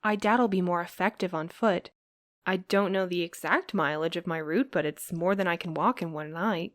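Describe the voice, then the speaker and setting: A woman's voice: on the low side, normal speed, no room sound, clean studio sound, natural voice. A woman playing a wry, put-upon mail courier in an audio drama, conversational and a little sardonic. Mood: wry, exasperated.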